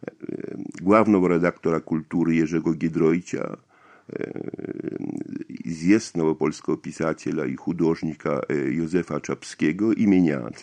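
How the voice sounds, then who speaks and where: Polish-accented guy in his 50s, real low voice, lots of ums and false starts. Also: moderate pace, darkish tone. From Poland. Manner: hesitant, many fillers and restarts. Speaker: interview guest, writer. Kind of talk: radio interview answers.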